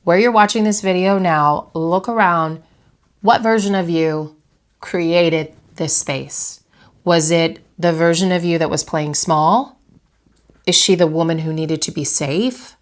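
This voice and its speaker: A young adult woman hosting a vlog from her bedroom, speaking slightly nasally because of a head cold, in a calm, reflective coaching tone that asks the viewer direct questions. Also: on the low side. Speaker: vlog host and interior designer. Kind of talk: motivational talk to camera.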